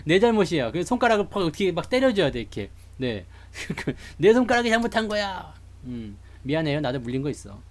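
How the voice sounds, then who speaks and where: A man's voice: a little high, sing-song, a little fast, few pauses. A man from Seoul giving a chatty, joking live lecture on stock charts to online viewers. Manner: chatty, jokey, greets live chat viewers. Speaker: stock market streamer.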